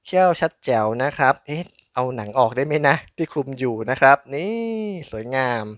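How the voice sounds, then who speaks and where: Male unboxing host, bright tone, dry sound. Chatty, polite, informal hands-on commentary, thinking out loud. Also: mid-range voice, expressive, a little fast, no room sound. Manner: polite, chatty, thinking aloud while handling objects. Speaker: host of a collectible toy unboxing channel.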